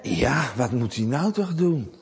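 A man telling a Bible story to children in a lively, animated way, often asking them questions. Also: mid-range voice, slow pace, big-room sound, slight background noise.

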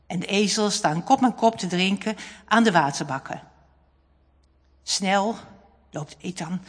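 A woman narrating a children's storybook in an expressive, dramatic reading. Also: medium pitch, husky. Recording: long hall reverb.

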